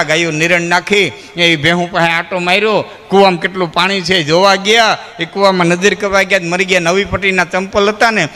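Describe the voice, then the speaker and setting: A man tells humorous folk tales on a hall stage, talking straight to his listeners as friends. His voice sits high and sounds bright and sharp. A long hall reverb trails each phrase, with faint music underneath. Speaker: folk storyteller. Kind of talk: live folk storytelling to an audience.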